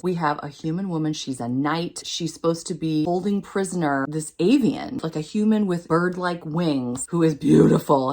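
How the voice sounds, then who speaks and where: Excitable lady doing a casual chatty book vlog, kinda lower voice, really gushing and emphatic. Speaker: book reviewer, video host. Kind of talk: casual chat to camera about reading plans.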